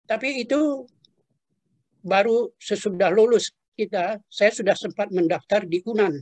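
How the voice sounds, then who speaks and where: Older male interviewee, husky and a touch high-pitched, halting reminiscence full of fillers. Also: darkish tone, dry recording. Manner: hesitant, many fillers and trailing asides. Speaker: interviewee, retired professor.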